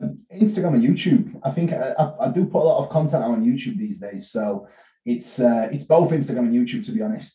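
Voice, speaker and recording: Delivery moves rather quickly. Pitch rises and falls across a very wide range. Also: man, fairly high pitch for a man. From abroad, moved to England at 11. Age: 20s. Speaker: pro bodybuilder and gym owner. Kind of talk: interview podcast.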